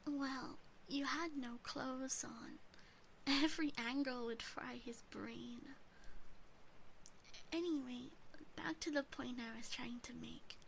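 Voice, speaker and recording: A woman voicing a teasing, obsessive yandere demon sister in an ASMR roleplay, breathy and often whispering, gently doting and possessive. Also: high voice, slow pace, slight background noise, exaggerated voice, rough recording.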